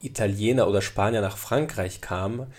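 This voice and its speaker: A man's voice: lowish voice, a little fast. A male guest in a conversation who explains things at length, hesitating and repeating words as he goes.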